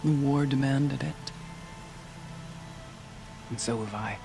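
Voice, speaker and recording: An actor playing a solemn, devout tribal shaman in a video game, speaking in measured, formal, reverent phrases. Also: medium pitch, vocal fry, over music. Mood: pensive. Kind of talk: dramatic video game cutscene acting.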